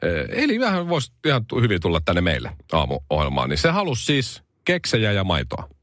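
A man's voice: deep voice, wildly swooping pitch, a bit bright, dry recording, clean studio sound. A man co-hosting a morning radio show, joking around and reading out news items in casual chat.

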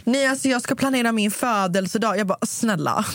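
A young woman chats on a podcast, giggly and animated, and acts out every quote as she tells her story. Her swearing is casual. The sound is dry and close, with no room around it. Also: a little high, dry recording. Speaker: podcast co-host.

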